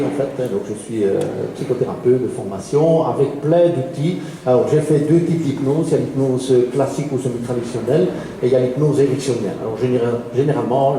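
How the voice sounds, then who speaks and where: A man in his fifties with a Liège Belgian French accent gives a public lecture in a large, echoey hall with long reverb. His medium-pitched voice has a dark tone and a little hiss or hum, and he speaks hesitantly, with many fillers and small chuckles between points.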